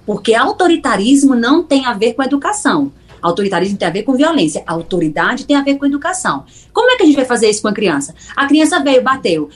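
A middle-aged psychologist from Pernambuco speaks with a Northeastern Brazilian accent. Her voice sits a bit high and moves a lot in pitch as she explains. She keeps slipping into little voiced scenes of parents and children. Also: quick pace, few pauses. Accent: Northeastern Brazilian Portuguese. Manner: animated, acts out parents and children in quoted dialogue. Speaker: psychologist guest. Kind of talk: explanatory interview talk.

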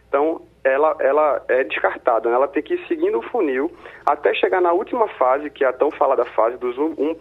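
A man's voice: a little high, slightly rough. A Brazilian man who works as a city secretary, explaining things step by step in an interview, heard over a crackly phone line. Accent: Brazilian Portuguese. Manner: explains step by step, often trailing into tag questions. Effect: crackly, tinny phone line. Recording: tinny phone-line audio.

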